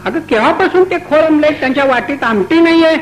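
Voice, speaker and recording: A man voicing an angry husband who scolds his wife loudly. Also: extremely high pitch, brisk, pitched above the performer's own voice. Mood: scolding. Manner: loud, scolding.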